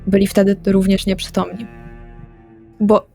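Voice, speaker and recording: A woman's voice: mid-range voice, little pitch movement, unhurried, gravelly, warm tone. A woman taking part in a tabletop role-playing game as a player, stating her actions and discussing rules. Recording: background music under the voice. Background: music.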